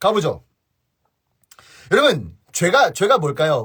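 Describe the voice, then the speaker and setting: A high-pitched male voice with very wide pitch swings. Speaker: evangelist. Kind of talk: live-streamed sermon talk. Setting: live stream. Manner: casual, halting with fillers.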